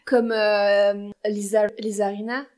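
A woman hosting a podcast in casual chat, playful and teasing and quick to laugh. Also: medium pitch, level tone, a little mellow, clear, resonant tone. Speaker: podcast host.

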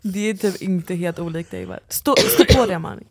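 A woman co-hosting a podcast in casual chat, animated and quick to laugh. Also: on the low side, husky, no room sound. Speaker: podcast co-host.

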